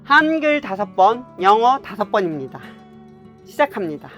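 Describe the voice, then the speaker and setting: A woman reading upbeat motivational narration, energetic and encouraging. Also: mid-range voice, dull audio, soft background music. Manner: upbeat, rapid, lively. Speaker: motivational channel host.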